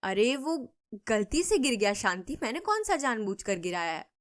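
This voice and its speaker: A kindly older mother-in-law from an animated storybook, soft-spoken and a little worried, as a woman narrator puts her on. She pleads and defends herself gently rather than fighting back. The voice sits just above a usual woman's pitch. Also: normal speed. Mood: defensive.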